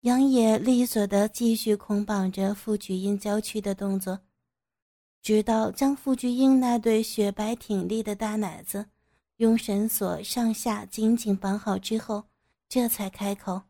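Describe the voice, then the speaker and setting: A woman narrating an audio story in a steady, even storytelling manner. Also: mid-range voice, measured pace.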